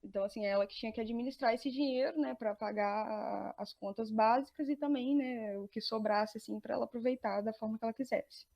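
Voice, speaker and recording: A woman's voice: a little high, fairly quick, gravelly, hardly any pauses, darkish tone. A young woman with a Brazilian Portuguese accent, a podcast guest chatting casually, laughing often and restarting her sentences. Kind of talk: casual interview chat.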